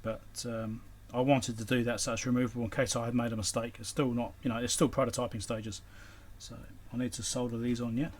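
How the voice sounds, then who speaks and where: A man's voice: mid-range voice, little pitch movement, a little fast, few pauses. A man giving casual, unscripted commentary while he works on electronics, muttering to himself in short, broken phrases. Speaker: electronics repair hobbyist and video host.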